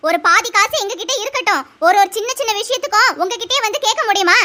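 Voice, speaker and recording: A woman's voice: extremely high pitch, expressive, fast talker, sharp tone, full character voice. A woman voicing a polite, patient young daughter-in-law in a cartoon. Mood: pleading. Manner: polite, pleading. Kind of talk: cartoon voice acting.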